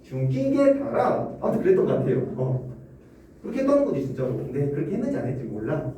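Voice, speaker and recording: A man's voice: medium pitch, wildly swooping pitch, very fast, mellow. A male Korean language teacher giving a classroom lecture, asking students questions and chuckling often. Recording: roomy classroom echo, distant mic, faint hum.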